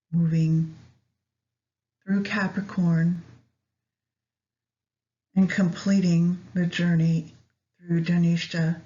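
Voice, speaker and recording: A woman leading a guided meditation in a measured way, pausing between short phrases. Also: fairly low pitch, warm tone, lo-fi sound. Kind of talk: guided meditation with astrology commentary.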